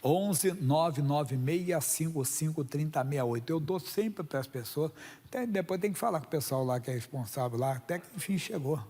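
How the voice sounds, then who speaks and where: A man's voice: on the high side, lively intonation, normal speed, warm tone, husky, in a large hall. A man with a Brazilian Portuguese accent preaching a sermon at a church service, emphatic and folksy, often calling listeners brother. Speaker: pastor.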